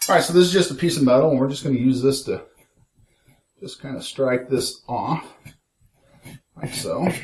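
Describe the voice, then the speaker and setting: A man with a fairly high pitch speaks at a moderate pace, somewhat breathy and with ordinary pitch variation. His loudness swings widely, and he takes long, frequent pauses. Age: middle-aged. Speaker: hobbyist metal caster. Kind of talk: tutorial. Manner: mumbling; casual, hesitant with fillers. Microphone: poor audio.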